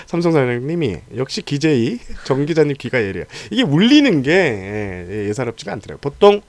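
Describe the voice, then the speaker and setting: A man hosting a sports talk show, speaking colloquially in a lively, casual way with frequent interjections. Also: mid-range voice, normal speed, dry recording.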